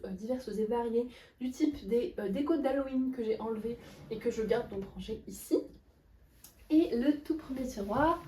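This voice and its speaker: A woman's voice: on the high side, warm tone. A young woman from France with a French accent, chatting casually and enthusiastically through a tour of her small student bedroom. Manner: chatty, many fillers, enthusiastic. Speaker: vlogger. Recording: roomy, from a distance, faint noise.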